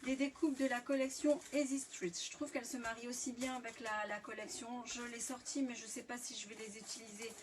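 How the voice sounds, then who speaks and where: A woman's voice: a little high, little pitch movement, brisk, few pauses. A French woman hosting a live scrapbooking tutorial, talking casually with many fillers and restarts as she shows her materials. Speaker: scrapbooking workshop host. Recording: distant mic, faint background hiss.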